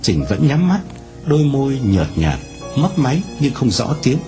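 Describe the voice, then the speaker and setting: A man narrating a novel aloud in an expressive storytelling manner. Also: moderate pace, music in the background. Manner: expressive storytelling with wide swings in pitch.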